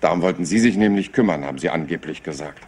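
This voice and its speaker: An actor playing a rumpled, apologetic yet stubbornly probing police inspector in a German crime drama, hesitant and folksy. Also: male voice, sits low, fast, darkish tone, a little hiss or hum, lightly acted. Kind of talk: German crime drama dub, conversational acting.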